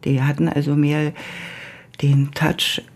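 An older woman from East Germany, a former Russian teacher, recalling her past slowly and with many hesitations in an interview. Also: low-pitched, monotone, a little mellow. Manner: slow and reminiscent, with frequent hesitations. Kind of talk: oral history interview.

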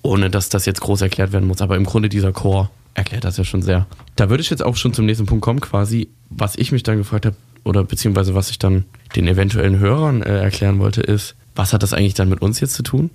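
A man's voice: on the low side, fairly even intonation, quick pace, mellow, no echo. A man hosting a casual radio talk show, rambling and correcting himself as he chats about literature, laughing often. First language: German.

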